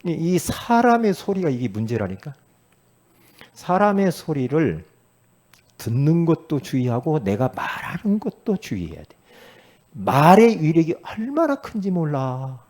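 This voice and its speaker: A man preaching a sermon as pastor, talking in a conversational way with sudden loud emphatic rises. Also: a little high, big pitch swings, unhurried.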